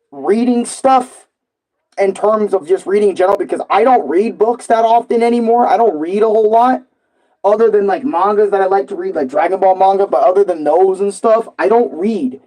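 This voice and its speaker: High-voiced guy chatting casually on stream. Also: normal speed, low-quality recording. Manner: slangy, excitable, repeats himself. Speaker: live streamer. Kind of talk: casual, rambling live stream chat about comics and games.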